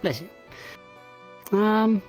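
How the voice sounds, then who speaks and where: A man's voice: high-pitched, animated, drawn-out words, darkish tone, faint music behind. A man improvising in-character fantasy roleplay conversation, speaking politely and thoughtfully with some hesitation. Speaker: roleplay player. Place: online virtual reality session.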